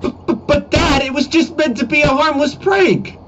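A man voicing a whiny, defiant, excitable schoolboy in an amateur comedy animation, on a cheap webcam mic. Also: very high-pitched, normal speed, highs cut off, slight background noise, pitched above the performer's own voice. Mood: pleading.

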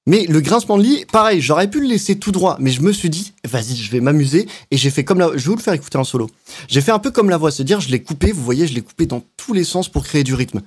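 A man giving a relaxed, slangy walkthrough of how he built a beat, now and then mouthing sounds and rhythms. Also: a little high, fast talker, husky. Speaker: music producer. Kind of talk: casual beatmaking walkthrough. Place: home studio.

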